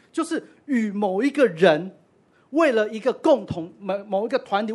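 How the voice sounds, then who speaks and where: A man's voice: sits high, a little mellow. A man preaching a sermon as pastor, conversational with self-deprecating asides.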